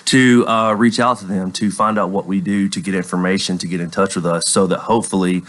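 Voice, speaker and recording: A man's voice: sits low, fairly even intonation, fairly quick, a bit bright. A man from Tennessee, explaining his work as a guest attorney in a polite, earnest, conversational way. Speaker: elder law attorney, interview guest. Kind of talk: conversational radio interview.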